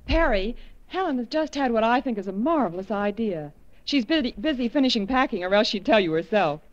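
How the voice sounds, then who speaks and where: A woman's voice: on the high side, lively intonation, brisk, close to an everyday voice. An actress playing an eager, persuasive woman in 1940s radio drama style. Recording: dull vintage radio recording.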